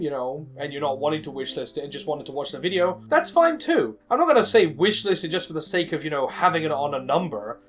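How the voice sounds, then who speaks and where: A man's voice: a little high, a bit bright. A man telling a personal story as a game developer in an informal, candid voice-over. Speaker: indie game developer and video creator.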